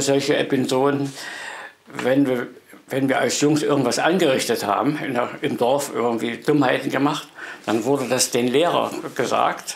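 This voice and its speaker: Amid noticeable background noise and audible room echo, a man with a fairly high pitch talks at a moderate pace with fairly even intonation and long, frequent pauses. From rural eastern Germany, near Magdeburg. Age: 80s+. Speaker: contemporary witness. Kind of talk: interview, personal memories. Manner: hesitant, with fillers and restarts.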